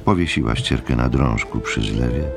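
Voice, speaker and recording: A man with a deep gravelly voice narrating a scripted audiobook story. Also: lively intonation, normal speed, over music.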